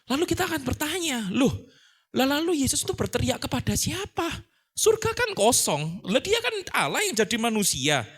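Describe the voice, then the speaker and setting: A male pastor preaching in a high, lively voice. He talks in a strongly animated way, often asking rhetorical questions and acting out short voices to make his point. His pitch swings widely from phrase to phrase. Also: normal speed, slightly rough. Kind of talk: sermon.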